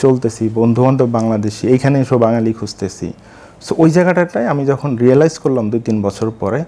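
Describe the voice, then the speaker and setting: Noticeable background noise sits under the recording. A man speaks at a medium pitch with ordinary pitch variation. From Bangladesh, Dhamrai (Dhaka). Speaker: corporate executive. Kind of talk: interview. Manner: halting, many fillers.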